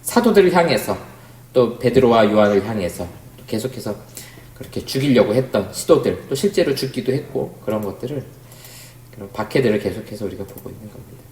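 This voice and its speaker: A man's voice: on the low side, expressive, a little fast, darkish tone, slight background noise. A man, a pastor, giving a Bible study lecture in a conversational way, often asking the class questions. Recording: roomy, echoey room sound.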